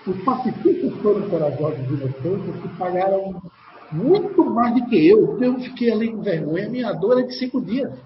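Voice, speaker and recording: A man's voice: sits high, lively intonation, normal speed. A man, a guest in an interview, telling a personal story vividly and acting out what other people said. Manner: vivid retelling that often acts out others' words. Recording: echoey, dull sound with faint noise.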